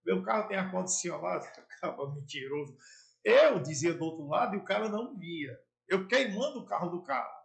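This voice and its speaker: A middle-aged man with a playful, animated way of telling stories about his years in radio and TV. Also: a little high, moderate pace. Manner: playful, animated storyteller with jumps in loudness. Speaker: former sports broadcaster and TV presenter. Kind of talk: casual storytelling interview.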